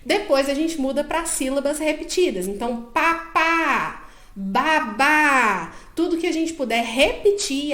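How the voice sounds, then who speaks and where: A woman psychologist, giving step-by-step advice to parents and often checking that the listener is following. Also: high-pitched. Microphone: own microphone. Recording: echoey room.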